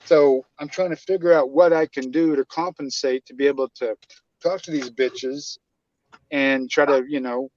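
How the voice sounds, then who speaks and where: A man's voice: medium pitch, fairly even intonation, moderate pace, a little mellow, no echo, highs cut off. Stammering man in his forties. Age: 40s. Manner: rambling, stammering restarts. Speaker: caller. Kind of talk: casual group call.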